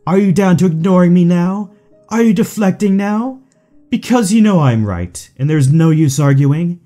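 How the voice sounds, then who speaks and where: A man's voice: high-pitched, lively intonation, normal speed, warm tone, faint music behind. A man playing a suave, theatrical villain in an audio drama, taunting his rival with mock affection. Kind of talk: fan audio drama acting.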